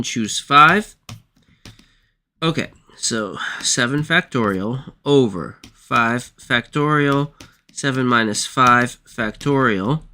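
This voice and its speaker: Male math tutor, under the weather and losing his voice; slow, halting delivery, bright tone. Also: medium pitch. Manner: halting, apologetic, thinks aloud. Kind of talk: working textbook problems aloud.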